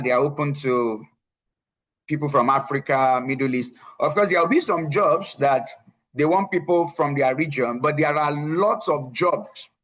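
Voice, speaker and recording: A man runs a live online career webinar, his voice sitting a little high for a man. He presses his points home and repeats key lines, often tagging them with a quick "right?" to check in with his viewers. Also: fairly bright tone, rough recording. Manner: emphatic, repeats key phrases, frequent tag "right?". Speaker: tech career coach presenting a webinar. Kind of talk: live online presentation with screen share.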